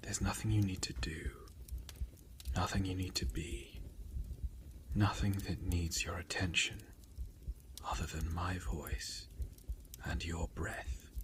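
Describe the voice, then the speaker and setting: Soft whispering man, slow and even. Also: low-pitched. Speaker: comforting ASMR speaker. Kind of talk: ASMR.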